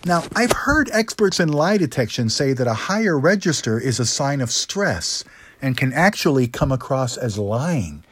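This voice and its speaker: A middle-aged man presenting a scripted lesson as a speaking coach, in a practiced higher register with deliberate phrasing and rhetorical asides. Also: big pitch swings, fairly bright tone, slightly rough. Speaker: public speaking coach, host. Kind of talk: scripted instructional monologue.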